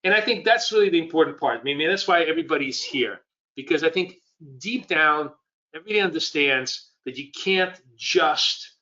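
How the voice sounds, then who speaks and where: On a muffled recording, a man whose voice sits on the high side, pushed and bright, teaches trading in a live webinar at a moderate pace with lively intonation. Scratchy from a cold, he talks loosely and keeps testing his audience with questions.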